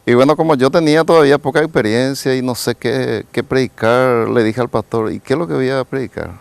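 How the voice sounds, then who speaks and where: Gravelly-voiced pastor telling his story. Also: medium pitch, fairly quick, no echo. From Paraguay. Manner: rambling storyteller, tags nearly every phrase with a questioning "right?". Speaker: pastor and evangelist, interview guest. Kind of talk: personal testimony in a TV interview.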